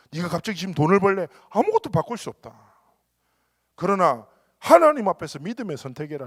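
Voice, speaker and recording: A man's voice: high-pitched, no room sound, studio quality. A male pastor preaching a church sermon, telling stories with humor and acting out the quoted lines. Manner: animated storytelling with humor and acted quotes.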